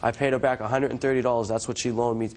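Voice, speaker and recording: A man's voice: mid-range voice, level tone, racing, a little mellow. A young man testifying as a defendant in court, deferential yet insistent as he answers the judge. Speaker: defendant in small claims court.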